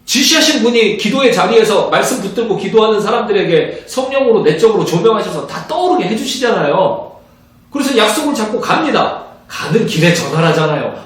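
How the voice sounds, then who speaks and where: A man, a pastor, giving an evangelism training lecture in an animated way, acting out little conversations as he teaches. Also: sits high. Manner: animated, acts out little dialogues in different voices. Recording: very echoey room, distant mic.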